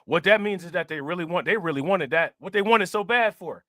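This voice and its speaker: A man with a high, bright, sharp voice talks back at a news clip on his stream in loose, joking commentary. He laughs often and repeats his points for emphasis. The sound is dry and close. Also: fairly quick, dry recording. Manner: joking, laughing, repeats himself, reads chat shout-outs. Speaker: livestream host reacting to news clip. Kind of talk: casual reaction commentary.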